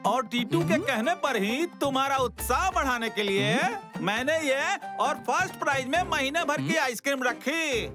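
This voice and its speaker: A woman's voice: sits high, animated, normal speed, over music. A woman voicing a jolly grown man who runs a shop, announcing with pleasure. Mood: cheerful. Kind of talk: Hindi cartoon voice acting.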